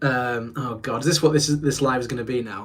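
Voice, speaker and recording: At a moderate pace, a man speaks with a strong northern English accent and ordinary pitch variation. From northern England. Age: 30s. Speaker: streamer. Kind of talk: casual chat. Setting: live stream. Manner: stuttering.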